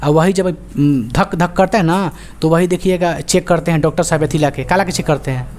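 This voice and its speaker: A woman teacher with a Bihari Hindi accent, lecturing a class and firing quick call-and-response questions, joking and scolding as she goes. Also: low voice, a little mellow. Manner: quizzing students with rapid call-and-response questions.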